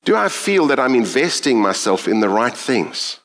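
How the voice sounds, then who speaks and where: A middle-aged man with a South African accent delivers a sermon. He speaks earnestly and reflectively, pausing to think. His pitch swings widely across phrases. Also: very animated, a bit bright. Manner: reflective, earnest, with thoughtful pauses. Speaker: preacher.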